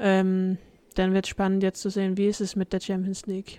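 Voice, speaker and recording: The recording is very clean, with a silent background and a dry, close sound with no echo. A woman speaks at a medium pitch. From Denmark, southern Jutland. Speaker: professional handball player. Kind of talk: casual interview.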